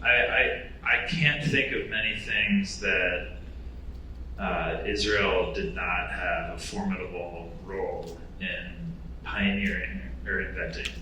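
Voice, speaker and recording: Bright low-voiced man on an echoey stage. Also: steady tone, slow, a little hiss or hum. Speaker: panelist, company founder. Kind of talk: conference panel talk. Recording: echoey hall, distant mic.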